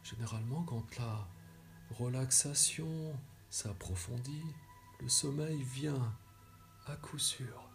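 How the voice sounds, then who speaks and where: A man leads a guided meditation at a very unhurried pace. His voice is soft and soothing, with breathy phrase endings and measured pauses between instructions. Faint music plays behind him. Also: mid-range voice. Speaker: yoga nidra guide.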